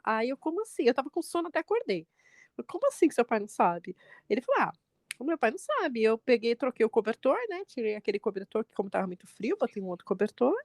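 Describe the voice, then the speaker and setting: A woman in her forties, a mother co-hosting a podcast, telling a family story in lively chat and jumping up in pitch when she quotes people. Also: fast talker, no room sound, studio quality. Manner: animated retelling, quotes her son with pitch jumps.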